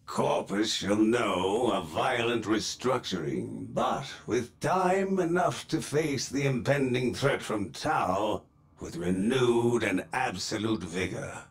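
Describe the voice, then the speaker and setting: An actor playing a calculating, silky corporate patriarch in a video game, measured, theatrical and condescending. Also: male voice, medium pitch. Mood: brooding, persuasive. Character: calculating, silky corporate patriarch, middle-aged or older man, villain. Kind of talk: video game villain monologue.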